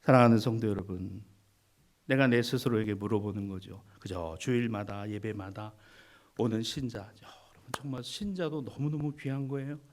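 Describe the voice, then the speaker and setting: A male pastor preaching a sermon, animated and teasing, with sudden drops to a hush. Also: fairly low pitch, moderate pace. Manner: animated preaching, swings from loud to hushed, teasing the congregation.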